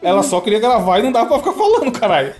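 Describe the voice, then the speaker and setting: A man hosts a casual podcast chat and tells the story with lots of slang and swearing. He breaks into laughter easily. His voice sits high, with faint music underneath. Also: racing. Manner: animated storyteller, slangy and profane, laughs often. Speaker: podcast host.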